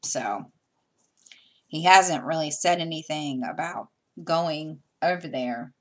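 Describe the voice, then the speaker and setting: A chatty middle-aged woman talks to her camera at home while she stitches. Her voice sits low, and she wanders through her thoughts with fillers and restarts. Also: slow, fairly bright tone. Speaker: stitching vlogger. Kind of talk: casual chat while stitching. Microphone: camera mic.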